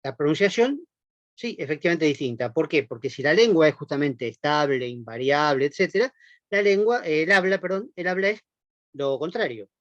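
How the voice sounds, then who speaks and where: A man lectures a university class, explaining patiently and frequently checking in with tag questions and "eh" fillers. His voice is on the high side, expressive and a bit bright, at a moderate pace. The recording is dry, dull and lo-fi, with no echo.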